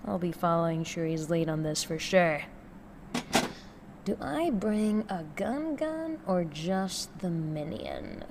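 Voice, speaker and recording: A woman playing a brisk, sardonic heist planner who mutters through checklists to herself in an audio drama. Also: fairly low pitch, sing-song, full character voice. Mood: resolute. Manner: muttering checklist, sarcastic asides. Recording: reverberant room, clear background noise.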